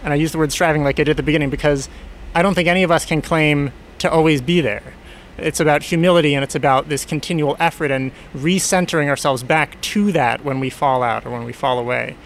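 A man's voice: a little high, quick pace, gravelly, slight background noise. A man speaking thoughtfully and earnestly in an interview, often stopping to rephrase. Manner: thoughtful, earnest, self-correcting. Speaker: resident of a Quaker community house. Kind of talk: reflective conversational interview.

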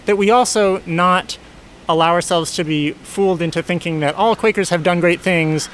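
A man's voice: high-pitched, fairly even intonation, normal speed, a bit bright, slight background noise. A man speaking thoughtfully and earnestly in an interview, often stopping to rephrase. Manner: thoughtful, earnest, self-correcting. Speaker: resident of a Quaker community house. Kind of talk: reflective conversational interview.

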